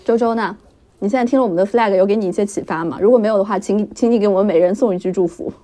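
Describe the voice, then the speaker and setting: Fast-talking woman steering the chat. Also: mid-range voice, dark tone, slight background noise. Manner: brisk, steering the conversation. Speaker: podcast host. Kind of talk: casual chat.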